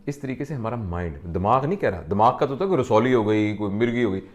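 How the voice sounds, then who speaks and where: A man, a doctor, calmly counseling a patient and explaining with simple everyday examples. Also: lowish voice.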